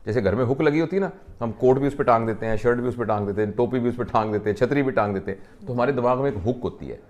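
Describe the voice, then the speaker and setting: A man, a doctor, calmly counseling a patient and explaining with simple everyday examples. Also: medium pitch.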